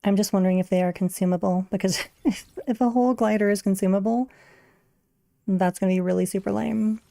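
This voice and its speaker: A young woman streamer talks through her game in a wry, musing, half-to-herself way. Her voice is soft and mellow with a gravelly, fry-tinged edge. The sound is close and dry, with no room around it. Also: medium pitch, fairly even intonation, a little fast, no room sound. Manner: wry, musing aloud while playing. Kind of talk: casual gameplay commentary.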